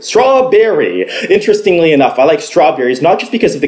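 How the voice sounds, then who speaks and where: Noticeable noise sits in the background. Over it, a man speaks fairly quickly. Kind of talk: casual talk to camera. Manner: fast; lively, upbeat.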